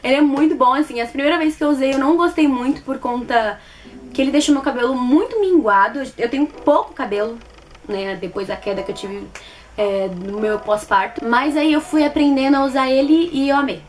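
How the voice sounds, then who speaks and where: A woman in her twenties with a Brazilian accent, chatting casually to camera as a beauty vlogger, expressive and repeating words for emphasis. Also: sits high, fairly quick, a little hiss or hum. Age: 20s. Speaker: beauty vlogger reviewing products. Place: small plain indoor room.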